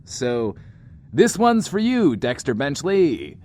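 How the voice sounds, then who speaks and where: A man's voice: fairly high pitch, sing-song, takes it slowly, a little mellow. A man playing a sincere, hesitant radio DJ in an audio drama. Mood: heartfelt. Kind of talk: in-world radio host acting.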